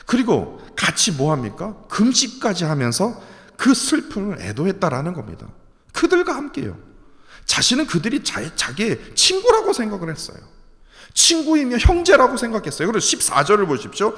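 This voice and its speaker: A man's voice: high voice, wildly swooping pitch, moderate pace, fairly bright tone, in a large hall. A man pastor giving an early morning sermon, preaching emphatically with a voice that rises and falls sharply. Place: church sanctuary.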